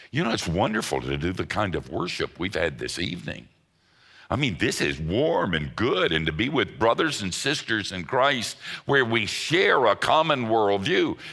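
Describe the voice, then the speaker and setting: A man preaching a sermon to his congregation, folksy and emphatic, with a dry joke now and then. His low voice has a gravelly edge, yet it sounds bright and forceful. He swings his pitch widely to drive each point home. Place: church service before a congregation.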